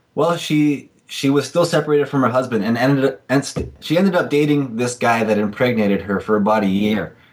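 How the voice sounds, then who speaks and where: At a fairly quick pace, a man speaks in a normal speaking voice at a medium pitch. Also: ordinary pitch variation, hardly any pauses, very even loudness. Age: 20s. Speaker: caller. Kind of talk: call-in conversation.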